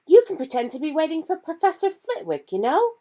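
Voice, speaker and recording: A woman's voice: high voice, sing-song, brisk, mellow, voice pushed up. A woman reading aloud voices a blunt, teasing teenage boy.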